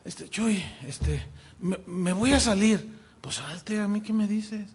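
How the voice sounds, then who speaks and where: A man quoting a hushed, pleading American teacher. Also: high-pitched, slow pace, breathy edge, exaggerated voice. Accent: Mexican. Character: American male Bible teacher, weary and pleading.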